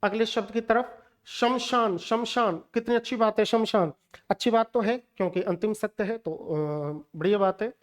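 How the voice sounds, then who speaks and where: A man's voice: sits high, moderate pace. A man teaching a pronunciation lesson for exam students, emphatic and lecturing, repeating words over and over to drill them. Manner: lecturing, addresses viewers directly. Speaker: Hindi teacher.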